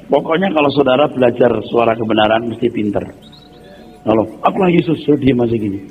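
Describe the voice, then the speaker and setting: A man pastor, preaching an informal sermon in a blunt, animated, mocking way with plenty of street slang. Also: mid-range voice, fast talker, soft background music. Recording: tinny phone-like sound, faint noise.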